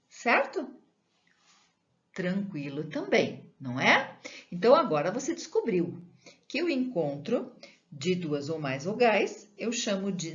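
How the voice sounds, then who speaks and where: A woman's voice: lowish voice, highs cut off. A woman teaching a Brazilian primary school lesson for remote learners, who checks in with the students often. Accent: Brazilian Portuguese. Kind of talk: recorded remote class lesson.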